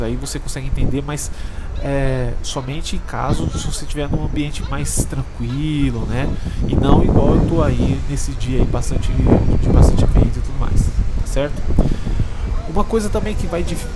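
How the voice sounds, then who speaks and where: A man with a Brazilian Portuguese accent explaining a product casually as a vlog host, chatty and often checking in with listeners. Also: medium pitch. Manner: chatty, constant check-in tags. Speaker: drone channel host. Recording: loud wind and traffic noise.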